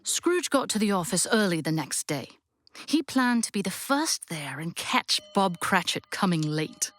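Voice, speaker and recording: A woman narrating a Victorian Christmas tale as the storyteller of a radio play, in an expressive scripted style. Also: mid-range voice, measured pace. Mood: wry, building.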